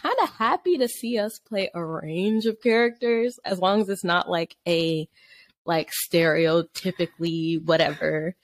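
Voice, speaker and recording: A woman's voice: lowish voice, measured pace. A woman hosting a podcast in a casual chat, agreeing readily and laughing often. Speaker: podcast host.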